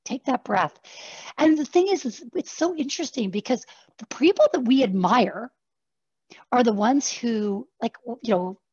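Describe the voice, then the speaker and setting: A woman executive coach giving an online workshop, talking fast and animatedly and acting out her examples. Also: on the high side, lively intonation, a little mellow, slightly rough, no room sound, dull audio. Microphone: video call.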